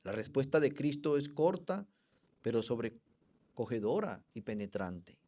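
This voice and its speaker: A man's voice: mid-range voice, sing-song, a little slow, warm tone. A Colombian pastor with a Colombian accent preaching an expository sermon with fervor, calling out to his congregation as brothers. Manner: fervent, addresses the congregation as brothers.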